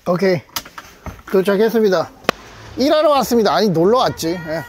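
Speaking at normal speed in a high, animated voice, a thirty-something YouTuber who collects cars chats to his vlog camera with casual self-assurance. He's mostly in a car, sometimes outdoors, and the background is noisy.

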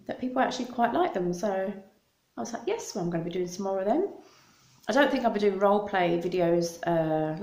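A woman's voice: fairly low pitch, creaky, darkish tone, echoey room. A middle-aged woman with an English accent, chatting to her phone camera from a room in her house, rambling between topics with a dry mouth. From Scotland. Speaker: vlogger. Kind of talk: casual chat to camera. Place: small room in a house, indoors. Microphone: phone camera held close.

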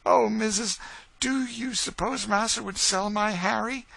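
A frightened young mother pleads through tears in a breathless, imploring voice, as a male reader puts her on. The voice sits very high above his own and has a thin, changed timbre. It belongs to a read-aloud storybook. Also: unhurried, gravelly, sharp tone, dry recording, heavily acted. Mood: frightened pleading.

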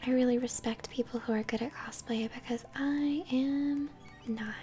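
A young woman giving gentle, chatty game commentary in a soft, breathy ASMR whisper. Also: high voice, fairly even intonation. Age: young adult. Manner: gentle, chatty, unhurried narration of play. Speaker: game streamer, host. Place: small home room, indoors. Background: game music.

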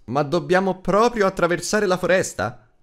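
A man's voice: sits high, normal speed, voice pushed up, lightly acted. A man voicing a small, timid male hobbit in an audiobook, whining and flustered. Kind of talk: audiobook character acting.

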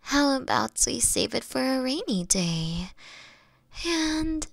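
A woman voicing a playful, affectionate fox-witch girlfriend in an intimate roleplay audio, teasing and cooing with breathy asides. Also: high-pitched, big pitch swings, slow, dry recording, full character voice. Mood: cozy, tender.

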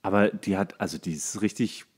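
A man's voice: low voice, a little fast, slightly rough. A man co-hosting a podcast, chatting casually in slangy everyday speech. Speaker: podcast co-host.

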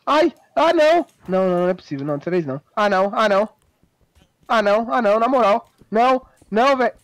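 High-voiced panicky guy. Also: expressive, fast talker, rough recording. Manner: panicky, slangy, repeats words. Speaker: guest player. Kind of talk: casual gameplay chat.

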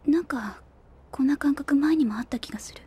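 An actress playing a determined, prickly young engineer and little sister in an audio drama, brisk, stubborn and easily exasperated. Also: female voice, high voice, mellow, natural voice. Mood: pensive, hushed. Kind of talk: Japanese audio drama acting.

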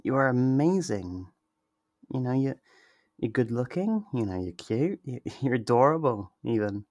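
A man's voice: medium pitch, sing-song, darkish tone, dry recording, clean studio sound. A man playing a sweet, possessive yandere lover in an intimate ASMR roleplay, tender and reassuring. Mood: affectionate, doting. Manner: tender, reassuring, slow and deliberate.

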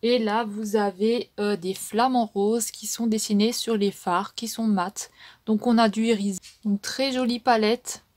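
A woman's voice: mid-range voice, fairly even intonation, measured pace, a little mellow. A woman with a French accent casually reviewing makeup palettes, chatty and full of fillers. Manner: chatty, many fillers and "donc". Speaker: beauty vlogger.

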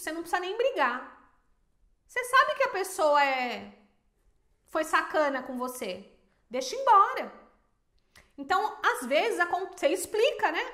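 A Brazilian woman giving emphatic, animated business advice to viewers, with rhetorical questions. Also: very high voice, reverberant. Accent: Brazilian Portuguese. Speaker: small business owner and teacher.

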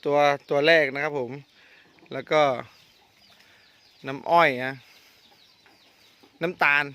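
A man filming his cattle on a farm outdoors, chatting excitedly in casual commentary and often laughing. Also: on the high side, slow pace, clear, resonant tone. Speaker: farm vlogger. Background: birds and chickens, faint outdoor ambience.

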